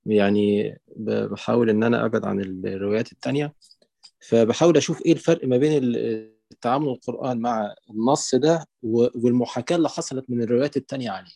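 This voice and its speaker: A man with an Egyptian accent calling in to an online lecture, setting out his view slowly through many fillers and restarts. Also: medium pitch, gravelly, mellow, no room sound. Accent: Egyptian Arabic. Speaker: caller. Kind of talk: call-in question on an online lecture.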